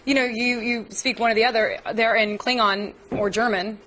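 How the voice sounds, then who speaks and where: High-voiced woman co-host, teasing. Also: fairly even intonation, normal speed, fairly bright tone, rough recording. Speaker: TV show co-host. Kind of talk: reading segment intros and banter. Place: TV studio.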